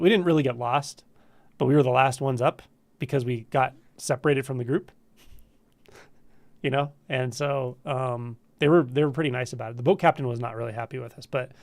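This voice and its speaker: A man with a cold and a stuffy voice, hosting a casual live Q&A stream, greeting viewers in a relaxed, friendly way with frequent ums. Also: mid-range voice, no room sound. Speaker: spiritual teacher hosting a live Q&A. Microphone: camera livestream setup.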